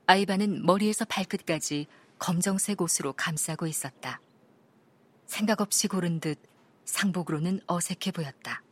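Husky-voiced woman reading an audiobook. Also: fairly low pitch, normal speed. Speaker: audiobook narrator. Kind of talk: scripted audiobook narration.

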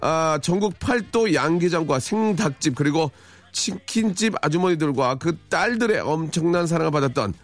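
A middle-aged man hosting a radio show, talking casually and teasing his guest with many quick "yes, yes" replies. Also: on the high side, lively intonation, faint music behind. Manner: playful, teasing, lots of short "ye, ye" backchannels.

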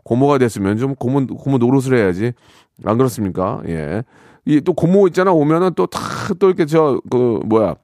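A man's voice: mid-range voice, animated, moderate pace, darkish tone, dry recording. Middle-aged guy hosting radio, chatty and joking, bouncy voice, dry close mic. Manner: chatty, joking, reacts with mock outrage. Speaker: radio host reading listener messages. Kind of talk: casual radio chat.

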